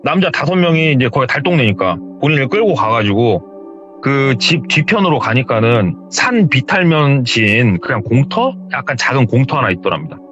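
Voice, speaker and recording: A man's voice: mid-range voice, lo-fi sound. A man vividly retelling a true horror story he heard, in a casual interview. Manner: lively, vivid storytelling with hearsay phrasing. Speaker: storyteller guest.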